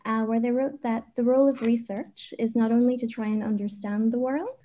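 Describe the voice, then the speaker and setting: A woman in her thirties from Ireland with an Irish accent, presenting her research on a video call in a measured way with frequent fillers. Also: on the high side, fairly even intonation, dark tone. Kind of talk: webinar presentation. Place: home or office on a video call.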